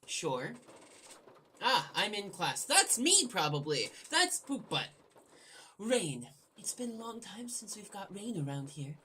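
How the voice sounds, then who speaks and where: A woman's voice: medium pitch, very animated, slow, bright, forceful tone, husky. A woman hosting a gaming video, playfully reading the script aloud and commenting with irreverent, sudden exclamations. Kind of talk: let's play commentary, joking read-aloud narration.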